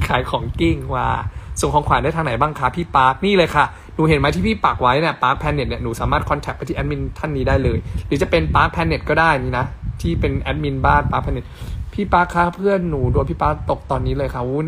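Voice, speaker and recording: A man's voice: fairly high pitch, fairly bright tone, a little hiss or hum. Chatty man reading fan comments live. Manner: chatty and affectionate toward fans; spells letters out slowly. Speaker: live-stream host. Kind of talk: casual live-stream chat, reading fan comments aloud.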